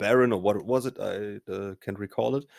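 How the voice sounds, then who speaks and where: A man with a non-native accent and a fairly low pitch. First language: not English. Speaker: podcast co-host. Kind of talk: casual chat. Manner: halting.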